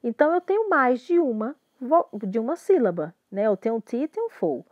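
A woman's voice: sits high, very animated, a little fast, a little mellow, no room sound, muffled recording. A woman with a Brazilian Portuguese accent teaching an English grammar lesson, patiently explaining and often checking that students follow. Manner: patient, repeats and checks understanding.

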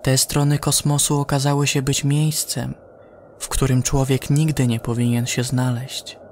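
A man narrating a scripted science-fiction horror story in a measured way, with dramatic pauses. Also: medium pitch, flat delivery, slight background noise.

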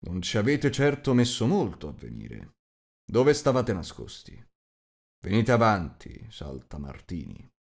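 A man voicing a gruff, rude, huge shape-changer who growls and talks bluntly. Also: lowish voice, huge pitch swings, unhurried, a little mellow, exaggerated voice.

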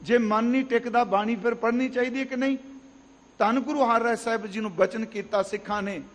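A man's voice: very high-pitched, fairly even intonation, brisk. A man giving a Sikh katha sermon in an earnest, explanatory way, often asking rhetorical questions. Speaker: katha preacher. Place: large gurdwara hall. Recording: long hall reverb.

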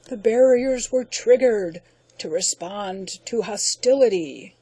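A woman's voice: mid-range voice, takes it slowly, mellow, breathy edge, no echo, poor audio. A woman doing a dying alien overlord. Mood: gasping, bitter.

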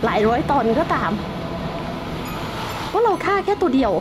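Excitable high-pitched woman gaming. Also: moderate pace, background noise. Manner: excitable, playful, talks to the dragon, frequent laughs and exclamations. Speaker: Minecraft let's-play host. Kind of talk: casual gameplay commentary.

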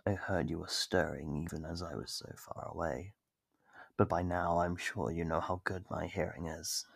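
A man voicing a sadistic, playful monster in an ASMR roleplay, taunting captive prey with menacing politeness in a husky voice that often drops toward a whisper. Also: fairly even intonation, moderate pace, no room sound, clean studio sound, heavily acted. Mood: mock surprise. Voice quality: low, gravelly, husky, often dropping to a whisper. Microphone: close, dry microphone.

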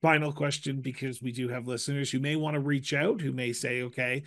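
A middle-aged man hosting a podcast interview, asking questions into a studio microphone, with halting starts and playful asides. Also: mid-range voice, steady tone, a bit bright. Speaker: podcast host. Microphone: studio mic with headphones.

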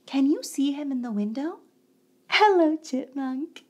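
A woman's voice: high voice, expressive, measured pace, warm tone. A young woman hosting a toddler show, teaching in a playful sing-song way and making animal sounds. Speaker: children's show host.

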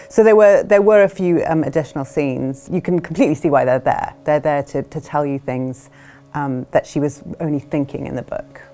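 A middle-aged woman speaks in a low, mellow voice, recorded in a studio. She talks through the film version of her novel in a thoughtful way, restarting phrases often. Soft music sits faintly behind her. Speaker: author discussing her novel's film adaptation. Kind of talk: reflective interview talk. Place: studio with plain backdrop.

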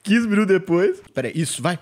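A man hosting a gaming video, chatting excitedly with a friend while playing. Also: high-pitched, fast talker. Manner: excitable, shouts and laughs often. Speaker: gaming channel host. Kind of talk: excited gameplay chat.

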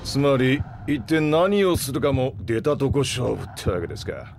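An actor playing a gruff middle-aged ship captain and former soldier, gravelly and rough-spoken, in an audio drama. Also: male voice, mid-range voice, very animated, normal speed. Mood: probing. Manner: rough, salty speech. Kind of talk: Japanese audio drama acting. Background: background music.

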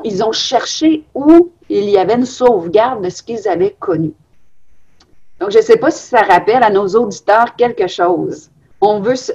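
A woman's voice: medium pitch, a little mellow, slightly rough, muffled recording. A woman in her forties from Belgium, speaking as a guest over a video call and giving earnest, explanatory answers. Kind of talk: reflective interview answers. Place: home room on a video call. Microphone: webcam on a video call.

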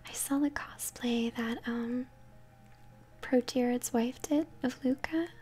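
Whispering young woman, gentle ASMR game commentary. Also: a little high. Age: young adult. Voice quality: soft, breathy whisper. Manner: gentle, chatty, unhurried narration of play. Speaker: game streamer, host. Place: small home room, indoors. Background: game music.

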